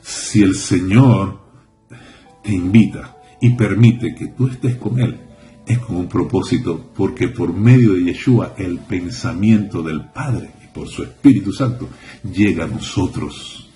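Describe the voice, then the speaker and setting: A male rabbi delivers a fervent sermon. His voice is low and mellow, and he repeats key phrases for emphasis with frequent hallelujahs. Faint music plays behind him. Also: a little slow. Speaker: rabbi teaching a congregation.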